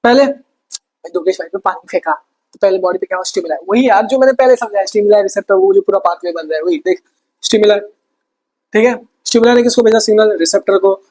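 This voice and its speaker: A man's voice: high voice, fast talker, a little mellow, low-quality recording. A young man teaching an exam-prep science lesson, chatty, calling students brother and repeating key terms.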